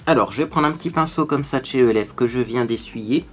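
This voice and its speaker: A man's voice: mid-range voice, fast, fairly bright tone, faint music behind. A man hosting a makeup tutorial, chatting to viewers as he explains each step. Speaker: beauty tutorial host. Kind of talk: casual makeup tutorial talk.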